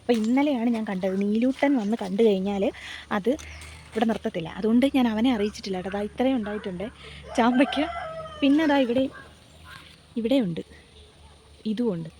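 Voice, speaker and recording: A young Kerala vlogger shares quiet, confiding thoughts with the camera as she walks around her garden at home in India. She speaks softly but briskly in a slightly high voice, pausing often, over slight background noise.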